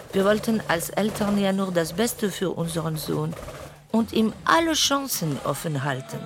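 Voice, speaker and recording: An actress playing a prim, self-justifying middle-class mother in a radio play monologue, measured and deliberate, with music behind her. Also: fairly low pitch. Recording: loud music under the voice. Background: loud music with guitar.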